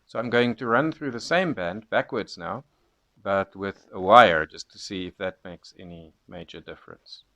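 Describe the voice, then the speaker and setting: A man giving a casual first-impressions review as a hobbyist, explaining things in a measured way. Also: deep voice, sharp tone. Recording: dull lo-fi sound.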